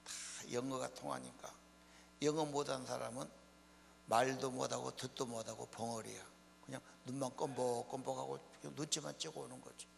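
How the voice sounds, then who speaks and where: A man's voice: mid-range voice, fairly even intonation, normal speed, gravelly. An older man, preaching a sermon in a folksy way, asking the congregation questions. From Honam region of Korea. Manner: folksy preaching, plain speech mixed with rhetorical questions. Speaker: pastor. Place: church hall. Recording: church hall reverb, mains hum.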